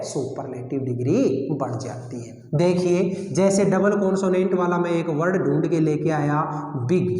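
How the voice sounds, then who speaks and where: High-voiced male teacher in echoey room. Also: darkish tone. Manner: asks questions and answers them himself, repeats key words. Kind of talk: classroom grammar lesson. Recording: echoey room with long reverb.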